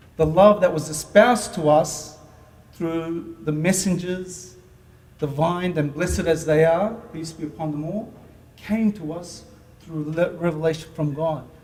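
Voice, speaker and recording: A man with a high pitch and fairly even intonation speaks at a fairly slow pace, his loudness swinging widely, with audible room echo and noticeable background noise. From Australia. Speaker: interfaith dialogue leader, former engineer. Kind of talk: speech at a dinner. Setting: dinner event with audience. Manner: hesitant, many fillers.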